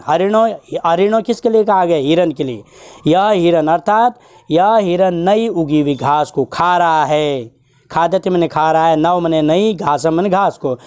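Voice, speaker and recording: A man teaching a school lesson, going word by word, repeating himself, and chanting verses slowly. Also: high voice, darkish tone, clean tone. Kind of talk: Sanskrit lesson explanation.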